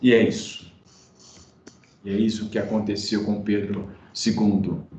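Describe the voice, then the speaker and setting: A Brazilian man teaching history informally in an online class, telling it like a story in an animated, colloquial way and repeating points for his students. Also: fairly low pitch, a little slow. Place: indoor room, online class. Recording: roomy, dull sound of an online class.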